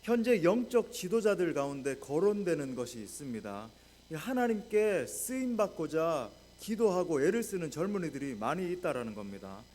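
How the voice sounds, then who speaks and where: Lively high-voiced male pastor preaching. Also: moderate pace. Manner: addresses the congregation often, asks rhetorical questions. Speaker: senior pastor. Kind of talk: sermon. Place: church.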